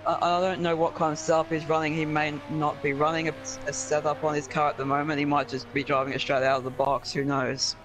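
A man co-commentating a sim racing stream, steady and analytical about setups and lap times. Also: on the high side, fast talker, hardly any pauses, noisy background.

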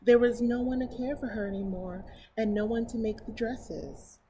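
A woman's voice: fairly high pitch, normal speed, low-quality recording. A middle-aged American woman reads a picture book aloud at a children's storytime, with enthusiastic, chatty asides. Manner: expressive, enthusiastic, exclaiming. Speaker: library storytime reader. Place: indoors in front of a painted mural. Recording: clear steady background noise.

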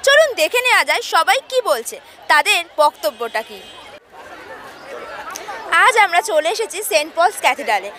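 A young Bengali woman reporter with a very high, bright voice that swings up and down a lot. She chats with people on a churchyard lawn, holding a handheld mic, and a faint crowd murmurs behind her. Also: moderate pace, pauses often. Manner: lively, chatty presenter. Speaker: street reporter and host. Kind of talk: vox pop street interview. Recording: outdoor crowd in the background.

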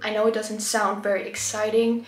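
Soft music plays behind this Icelandic lifestyle vlogger, a woman in her twenties chatting eagerly as she cooks in her small home kitchen. Her mid-range voice is delivered flatly at a moderate pace, full of "like" and "honestly," and the room sounds reverberant in this casual cooking vlog.

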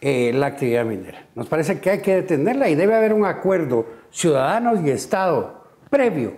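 A man, a guest on a panel debate, who speaks deliberately and slows for emphasis. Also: on the high side, very animated, darkish tone.

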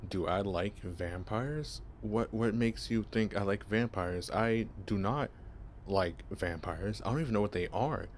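Here the same kind of ASMR roleplay has a young man voicing a timid, oblivious vampire who stammers as he tries to pass for human. The voice actor's natural, lowish voice moves unhurriedly, awkward and flustered, over a little hiss or hum.

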